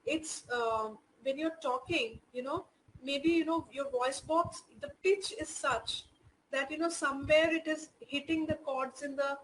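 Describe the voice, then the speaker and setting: A woman's voice: high voice, unhurried, a bit bright, a little hiss or hum, poor audio. A woman teaching an online class in Indian English, explaining patiently with many "you know" fillers.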